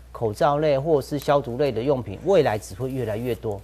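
A man's dark, mellow voice carries vocal fry and lively intonation. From Taiwan. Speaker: financial analyst. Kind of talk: TV panel discussion. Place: studio. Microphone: lapel.

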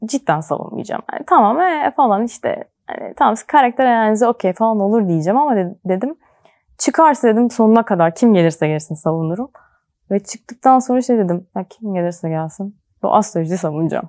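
At a fairly quick pace, the voice swings very widely in pitch, recorded dry with no echo against a quiet background. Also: woman, fairly high pitch for a woman. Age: 30s. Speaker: mobile app business developer and travel blogger; interview guest. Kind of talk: interview. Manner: hesitant, many filler sounds. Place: studio.

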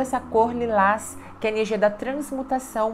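Light background noise sits behind a woman's voice. She speaks at a fairly slow pace with fairly even intonation. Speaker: oracle card reader. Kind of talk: casual spiritual reading to viewers. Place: home room. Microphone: lapel.

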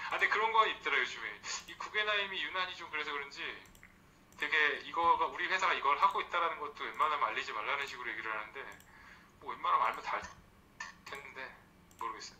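A man with a high pitch speaks at a very fast pace with lively intonation. His speech is broken by long, frequent pauses. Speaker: architect. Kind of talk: casual chat. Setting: video call. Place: home room. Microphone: headset.

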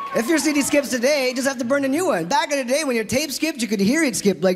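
Man with an extremely high pitch, over noticeable background noise. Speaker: comedian. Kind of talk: stand-up. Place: stage. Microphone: handheld.

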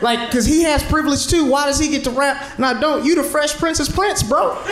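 The man's voice sits at an extremely high pitch. Background noise is noticeable. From United States. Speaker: stand-up comedian. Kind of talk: stand-up comedy set. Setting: stage with audience. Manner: animated, punchy storyteller. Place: stage. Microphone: handheld.

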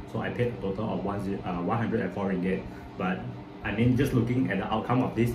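Man at a fairly low pitch and moderate pace, with noticeable background noise. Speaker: vlogger. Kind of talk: casual vlog chat. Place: home room. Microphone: phone near.

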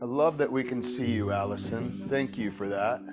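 The voice belongs to a man. Music sounds clearly behind him. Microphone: video call.

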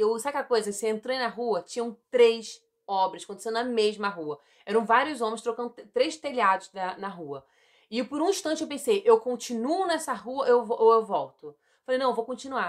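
Speaking with a Rio de Janeiro accent, a woman uses a fairly high pitch and lively intonation. Her pace is moderate, and the background is quiet. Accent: Brazilian Portuguese, carioca. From Brazil, Rio de Janeiro. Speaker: YouTuber. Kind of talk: casual chat. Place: home room. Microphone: phone near.

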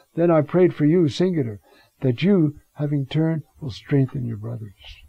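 Somewhat breathy speech with lively intonation over a quiet background. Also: man. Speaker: priest. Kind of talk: scripture reflection talk. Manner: halting, with frequent fillers; conversational. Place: home room.

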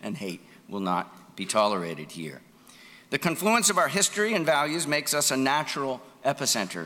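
The voice carries vocal fry. The pace is fairly quick. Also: man. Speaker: university host giving opening remarks. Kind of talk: formal welcome speech. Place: hall. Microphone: podium.

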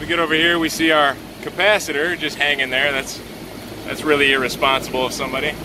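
The pace is fairly quick. The sound is dry with no echo, and there is noticeable background noise. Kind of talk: tutorial. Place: open country. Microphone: phone near.

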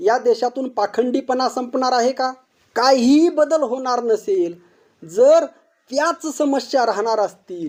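A man's voice with an extremely high pitch and lively intonation. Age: 40s. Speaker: farmer and political video commentator. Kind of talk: political commentary monologue. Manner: animated.

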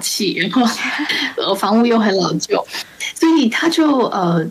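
The woman talks at a moderate speed. Her pitch moves up and down across a very wide range. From Taiwan, Keelung; Taiwan. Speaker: media editor, former teacher; former teacher. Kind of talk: radio interview. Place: studio.

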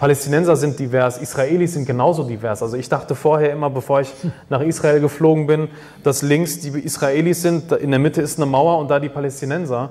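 At a fairly quick pace, a man uses a plain, everyday voice with a fairly high pitch and fairly even intonation. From Germany, Duisburg (Ruhr area); Germany. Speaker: author and educator; educator. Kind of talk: book talk and audience Q&A. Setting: stage with audience. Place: hall. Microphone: studio mic.

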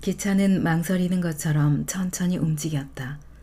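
The recording is very clean, with a silent background. The speaker talks at a fairly slow pace. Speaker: audiobook narrator. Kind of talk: reading aloud. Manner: calm.

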